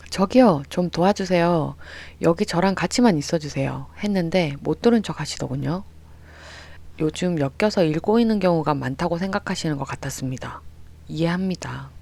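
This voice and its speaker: Story radio narrator, scripted narration, mid pitch, steady reading, louder quoted lines.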